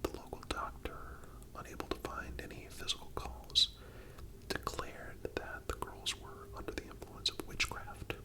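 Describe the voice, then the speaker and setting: A person whispering a scripted historical narration in a calm, deliberate ASMR style, breathy and broken by frequent pauses. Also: rough recording. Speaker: host and narrator.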